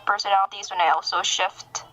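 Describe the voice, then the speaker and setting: A woman guest chatting casually in an enthusiastic, halting, gushing way. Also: mid-range voice, fairly even intonation, pushed and bright, muffled recording, soft background music. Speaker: podcast guest. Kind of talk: casual interview chat.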